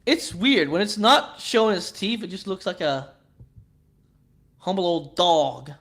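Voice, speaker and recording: A man's voice: high voice, sing-song, normal speed, fairly bright tone. A man with a Swedish accent chatting casually with viewers on a livestream, rambling and swearing, with frequent restarts. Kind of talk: casual chat.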